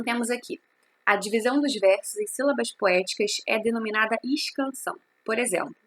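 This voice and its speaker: Woman teacher, a bit breathy, walks through a lesson by posing and answering her own questions. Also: on the high side, fairly bright tone. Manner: explains step by step, asks and answers own questions. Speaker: literature teacher. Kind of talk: recorded class explanation.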